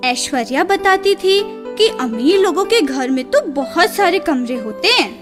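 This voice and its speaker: A woman's voice: very high-pitched, big pitch swings, unhurried, music in the background, heavily acted. A female performer playing an innocent, outspoken little daughter of a poor family in a radio play. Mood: curious, cheerful. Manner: childlike, cheeky. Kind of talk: Hindi radio play acting.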